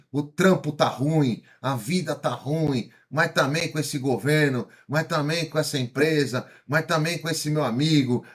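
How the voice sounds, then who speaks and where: An energetic man in his fifties, from São Paulo, lectures motivationally in Brazilian Portuguese with a paulistano accent. His voice has a fairly high pitch, and he frequently questions his audience, tacking on tag questions.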